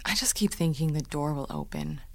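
An overworked, anxious podcast host. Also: female voice, low-pitched, lively intonation, fairly quick, no room sound. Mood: wistful. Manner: stressed, fretful, slips into hushed intimate tones. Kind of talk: audio drama acting.

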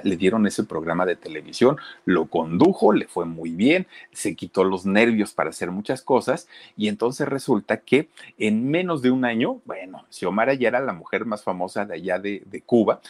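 A man's voice: lowish voice, breathy edge. A man casually telling a story, chatting directly to his listeners. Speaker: storyteller host.

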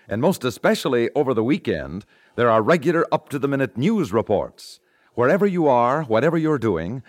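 Fifties radio announcer guy, polished scripted read, lots of pitch movement, dry close sound. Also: dry recording.

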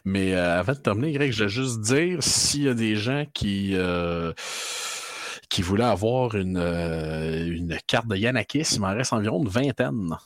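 Low-voiced Québécois co-host, rambling. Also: male voice, lively intonation, a little slow, no room sound, studio quality. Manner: rambling storyteller with lots of fillers. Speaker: podcast co-host. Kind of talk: casual chat.

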